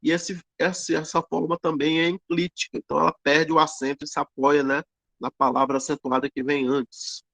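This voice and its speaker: A man teaching an online grammar lesson, explaining slowly with many fillers and tag questions. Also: a little high, level tone, gravelly, a bit bright, no echo. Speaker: Greek teacher.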